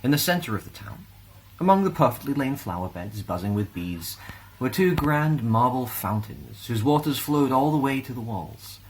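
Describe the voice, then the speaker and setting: A man with a Scottish accent reading a children's fantasy story aloud in an expressive storytelling style. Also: medium pitch, poor audio. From Glasgow, Scotland.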